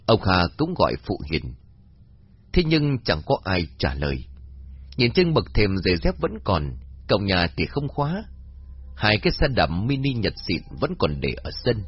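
A man's voice: unhurried, husky, no room sound. A man narrating a horror story, reading expressively. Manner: expressive reading with a wide pitch swing. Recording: slightly dull, dry recording with faint music.

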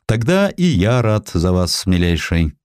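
A man voicing a blunt, patronizing count in audiobook dialogue, gruff and condescending. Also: low-pitched, big pitch swings, measured pace, darkish tone, no echo, clean studio sound. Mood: benevolent.

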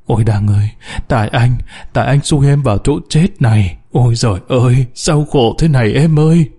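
A man voicing an older male miner trapped underground, shouting and pleading. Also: mid-range voice, normal speed, husky. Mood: grieving.

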